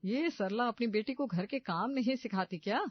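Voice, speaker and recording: A woman's voice: fairly high pitch, moderate pace, dry recording, lightly acted. Cartoon neighbor aunty, nosy, gossipy, middle-aged, woman-voiced, muffled lo-fi sound. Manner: muttering, meddling. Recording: dull lo-fi dry recording.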